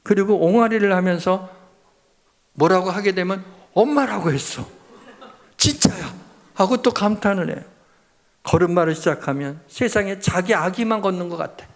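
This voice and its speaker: A man pastor preaching a sermon in a conversational, animated way, acting out the voices he quotes. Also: high voice, fairly quick.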